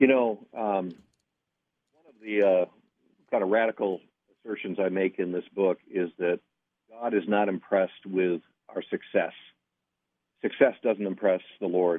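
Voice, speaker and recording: A man talks in an ordinary speaking voice, pitched fairly low. His pace is fairly slow and his intonation fairly even. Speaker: author and former nonprofit executive. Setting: remote interview via phone or link.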